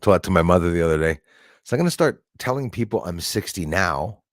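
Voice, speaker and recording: Rambling man in his sixties, low voice. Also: expressive, quick pace, no room sound, studio quality. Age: 60s. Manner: rambling, chatty, thanks viewers by name. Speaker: live stream host. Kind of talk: casual live-stream chat with viewers.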